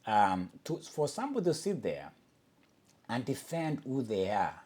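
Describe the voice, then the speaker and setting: Male podcast host, lively pitch, emphatic and questioning, frequent restarts. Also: unhurried, breathy edge. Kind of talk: impassioned monologue.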